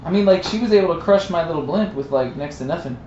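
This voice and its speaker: A man's voice: fairly high pitch, lively intonation, fast talker, darkish tone. A man in casual, joking table talk as a player in a streamed tabletop game. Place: room, live stream of a group game. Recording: distant, roomy, dull with faint noise.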